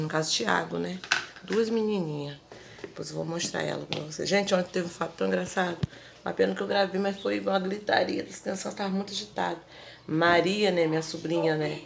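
A woman's voice: fairly low pitch, steady tone, a little fast, creaky. A woman vlogging at home as a mother, chatting casually and calling out to her viewers. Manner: chatty, addresses viewers as "gente" often. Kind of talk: casual home vlog chat. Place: family home, indoors. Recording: noisy home phone video.

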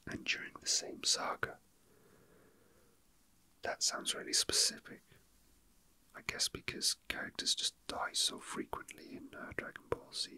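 A young man whispering softly and breathily in an unhurried, halting ASMR murmur, as if casually commenting while his hands are busy. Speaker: ASMR video host. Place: indoors at a tabletop.

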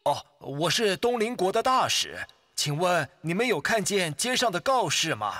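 Courteous royal envoy, high voice, very animated, earnest, storybook cartoon. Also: male voice, normal speed, full character voice. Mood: polite, persuasive. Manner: polite, earnest. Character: courteous, persuasive royal ambassador, adult man. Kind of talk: children's storybook cartoon acting.

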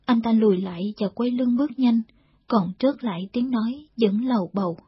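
A woman narrating a war novel in a steady, measured storytelling read, in a dull lo-fi audiobook recording. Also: a little high, breathy edge, no room sound.

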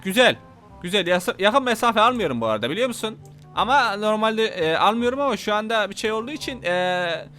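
A man giving casual, excitable commentary while playing a game, talking to his viewers and to the passengers in the game. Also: high voice. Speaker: gameplay commentator.

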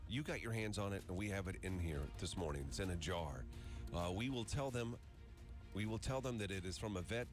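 A man in his thirties with a low voice hosts a morning radio show. He talks casually and explains the game close on a studio mic, over a music bed. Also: brisk. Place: small foam-padded radio studio. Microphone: close studio condenser mic.

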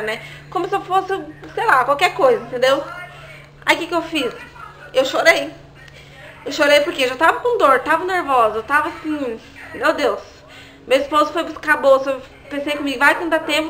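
A woman's voice: high-pitched, sharp tone. A young adult woman telling a story in a casual vlog, chatty and often turning to her viewers. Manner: chatty, often asks the audience "né, gente?". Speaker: vlogger.

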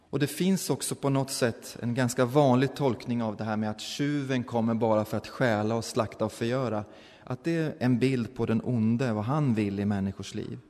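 A man, a pastor, telling a story in a sermon in a relaxed, conversational way, often restarting his sentences. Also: mid-range voice. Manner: conversational, with restarts and quoted voices. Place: church. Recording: church hall with long reverb.

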